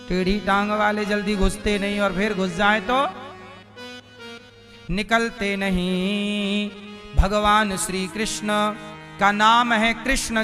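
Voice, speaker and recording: A male preacher giving a devotional sermon with call-and-response to his audience. He tells the story in a lively way and sometimes breaks into chant and song. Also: high-pitched. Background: devotional instrumental music.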